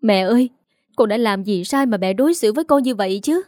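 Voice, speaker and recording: A woman's voice: on the high side, animated, a little fast, a little mellow, dry recording, clean studio sound, lightly acted. A woman doing a tearful, pleading daughter-in-law. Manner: plaintive and pleading.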